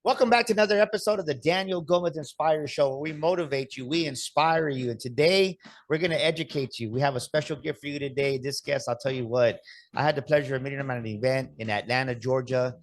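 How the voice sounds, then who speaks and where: A man's voice: medium pitch, fast talker. Guy hosting a motivational podcast, hyped, keeps pushing you to act. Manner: energetic, hyped-up delivery with repeated calls to action. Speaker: podcast host.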